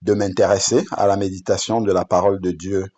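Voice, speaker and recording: Demoing his own Bible app on screen without a script, a Bamoun-speaking man stumbles along with many fillers and restarts. His low voice has a darkish tone and little pitch movement, captured in dull, lo-fi audio.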